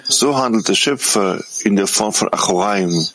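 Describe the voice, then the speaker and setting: Low, creaky man interpreting a religious reading, noisy. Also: lively intonation, normal speed. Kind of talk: interpreting a religious text being read aloud.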